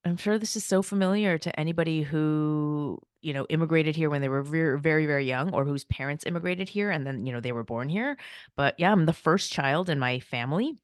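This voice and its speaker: A woman's voice: low voice, a little fast, no room sound, studio quality. A woman, chatting casually and light-heartedly as a podcast host, laughing often. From United States. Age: 40s. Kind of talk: casual personal chat.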